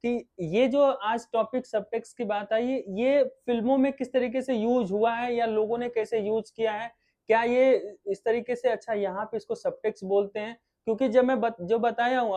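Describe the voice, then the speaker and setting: A man teaching an online acting class, explaining at a relaxed pace with many fillers and repeats. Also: very high voice, muffled recording.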